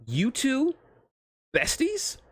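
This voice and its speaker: A man voicing a cheeky, excitable young cartoon hedgehog in a fan fiction reading. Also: extremely high pitch, very slow, husky, no room sound, clean studio sound, voice pushed up, heavily acted. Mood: incredulous.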